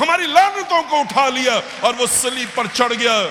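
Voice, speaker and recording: A man with a raised, projected voice swings very widely in pitch, with noticeable background noise in the recording. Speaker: pastor. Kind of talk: sermon.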